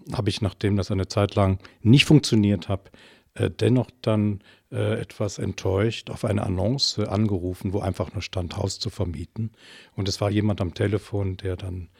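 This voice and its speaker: An older man with a husky, rather low voice, answering interview questions slowly and thoughtfully. He hesitates often and restarts his sentences. The sound is dry and close, with no room around it. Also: a little mellow, no echo. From Germany, Eifel region. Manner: hesitant, many fillers and restarts. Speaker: interview guest, social worker.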